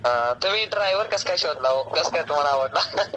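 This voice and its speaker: A man with a rural Maharashtrian accent making colloquial, flattering small talk in a casual phone chat. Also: a little high, quick pace. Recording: noisy recorded phone call.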